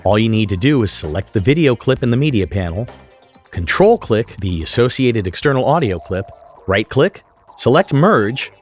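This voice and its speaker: A middle-aged man giving scripted tutorial narration in a deliberate, emphatic way. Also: medium pitch. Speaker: software tutorial instructor.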